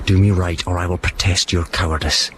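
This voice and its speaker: An actor playing a grave nobleman in a stage drama, measured and firm. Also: low-pitched, little pitch movement, background noise, close to an everyday voice. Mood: cold. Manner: measured, cold, firm delivery. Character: grave male nobleman, cold and challenging.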